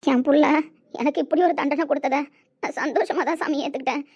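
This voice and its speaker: A woman playing a tender, tearful mother in a scripted family drama, speaking softly and affectionately. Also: high-pitched, fairly even intonation, quick pace, dull audio. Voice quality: soft, pleading, affectionate. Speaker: mother character.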